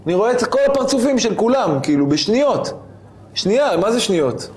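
A man as an interview guest, telling a personal story in an animated way and acting out the scenes he describes. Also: high-pitched, background noise.

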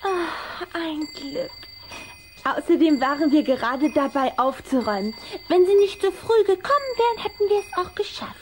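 A woman's voice: high-pitched, lively intonation, normal speed, a little hiss or hum. A woman playing a plucky, sly little vampire girl in a children's audio drama. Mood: defiant, pleading.

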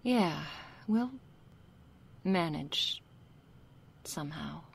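A woman voicing a nervous, sheepish young succubus in a soft, hesitant ASMR role-play. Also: sits low, expressive, drawn-out words, slight background noise, heavily acted. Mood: sheepish, affectionate. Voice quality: soft, husky, breathy. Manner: hesitant, flustered, succubus-like soft intimate delivery. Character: nervous young female succubus, reluctant, sheepish, affectionate daughter.

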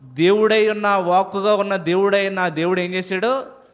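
Brief: male preacher, high voice, call-and-answer sermon style, slow scripture readings. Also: steady tone. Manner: asks the congregation questions and answers them himself; reads scripture slowly and deliberately.

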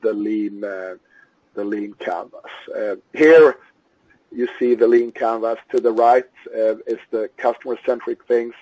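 A man from Sweden, a native Swedish speaker, giving a webinar lecture in English on product work, pausing often with uhs and ums. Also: on the low side, warm tone, breathy edge, no room sound, dull audio. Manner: halting, many uhs and ums. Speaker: Scrum trainer. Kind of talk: webinar lecture over slides.

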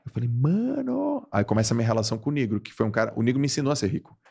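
A man from Brazil in his forties, a podcast guest telling stories in casual slangy chat, with big jumps in pitch for emphasis. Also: racing, darkish tone.

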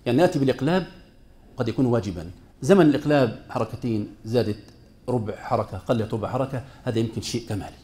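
A man's voice: mid-range voice, very fast, mellow. A man teaching a class on Quran recitation rules, speaking emphatically and putting rhetorical questions to his students. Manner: mixes formal Arabic with colloquial asides.

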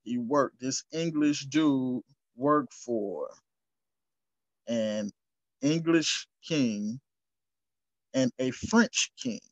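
Slow, deliberate man on a dull recording. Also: medium pitch, dry recording. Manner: slow and deliberate, stumbling on long words, casual asides. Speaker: history channel host. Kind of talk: reading and explaining source texts.

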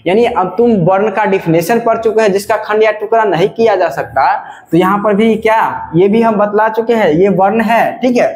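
A male teacher giving a classroom grammar lesson, drawing out example sounds slowly and saying "ठीक है" again and again. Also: high-pitched, a little mellow, roomy sound.

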